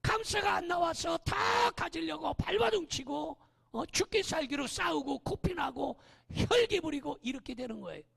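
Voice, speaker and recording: High, gravelly-voiced preaching man. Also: normal speed. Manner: animated, often shouting, keeps asking the congregation "eh?". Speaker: pastor. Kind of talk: sermon. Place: church sanctuary. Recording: long church-hall reverb.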